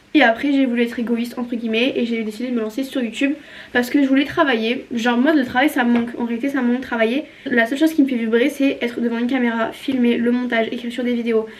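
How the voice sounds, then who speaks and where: With noticeable background noise behind her, a woman talks very fast in a high pitch with fairly even intonation. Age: 20s. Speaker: youtuber. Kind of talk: casual chat.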